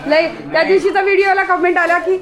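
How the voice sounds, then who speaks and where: A woman vlogger, talking to her dog and her viewers in a loud, affectionate, scolding way. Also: very high voice, steady tone, fast talker. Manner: scolding, affectionate, calls out loudly. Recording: busy crowd noise behind.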